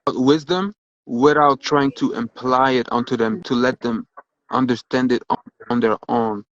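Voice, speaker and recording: A man's voice: mid-range voice, fairly even intonation, measured pace, no room sound. Hesitant man on a dull, dry mic. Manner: hesitant, many ums and uhs, philosophical. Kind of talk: casual conversation.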